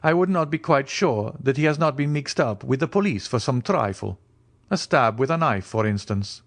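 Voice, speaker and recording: A man's voice: mid-range voice, animated, moderate pace, voice pushed up, lightly acted. A man voicing a mysterious, self-assured aristocratic count in an audiobook, speaking formally, precisely and with lofty composure. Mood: composed. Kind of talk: audiobook character dialogue.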